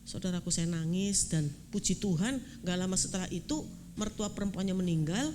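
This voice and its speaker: An older woman evangelist, preaching a sermon through a lively personal testimony and often addressing the congregation directly. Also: fairly low pitch, fairly quick, slight background noise. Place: church.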